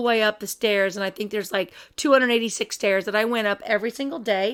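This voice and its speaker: On a very clean recording with a silent background, a woman with a Midwestern US accent speaks energetically at a fairly quick pace in a bright, sharp tone. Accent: US Midwest. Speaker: podcast host, small business accountant. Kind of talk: casual chat.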